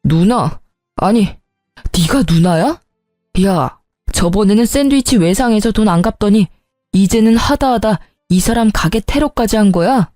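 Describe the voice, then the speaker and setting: A woman's voice: medium pitch, expressive, a little slow, no echo, soft background music, lightly acted. Furious husband, voiced by a woman; dry close recording. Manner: shouting at his sister. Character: angry grown man, the husband, younger brother.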